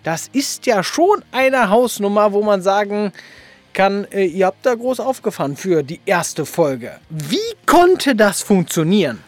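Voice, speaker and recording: A woman with a medium-pitched voice hosts a casual podcast. She talks in emphatic slang and gushes as she promotes her guests' work. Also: expressive, unhurried, no room sound. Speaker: podcast host. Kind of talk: casual, promotional interview talk.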